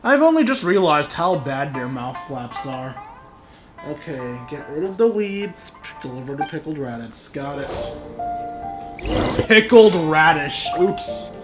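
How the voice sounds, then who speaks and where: A man's voice: fairly high pitch, big pitch swings, a little slow. A man giving casual, rambling playthrough commentary with joking asides. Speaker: gaming YouTuber commentating his play. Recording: game music behind the voice. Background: video game music.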